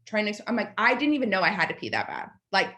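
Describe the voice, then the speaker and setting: A woman in her late twenties, a podcast guest, telling a story in a chatty, animated way and filling her speech with "like.". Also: mid-range voice, fast. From United States. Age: 20s. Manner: chatty, animated, lots of "like" fillers. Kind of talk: casual storytelling.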